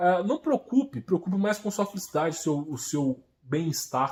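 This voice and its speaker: With an animated tone, a man's voice makes very wide pitch swings. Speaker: YouTuber answering viewer questions. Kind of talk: casual Q&A monologue. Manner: animated, conversational.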